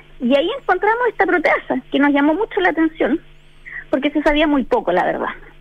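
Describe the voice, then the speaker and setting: A woman speaks at an extremely high pitch and a fairly quick pace, with very wide pitch swings and noticeable background noise. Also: very even loudness. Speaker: biomedical researcher. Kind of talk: interview.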